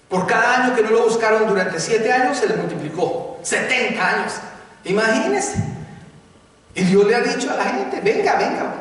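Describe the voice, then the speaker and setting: A man's voice: high voice, fairly bright tone. A middle-aged man preaching a sermon with emphasis, often putting questions to the congregation. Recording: echoey hall, voice from far off.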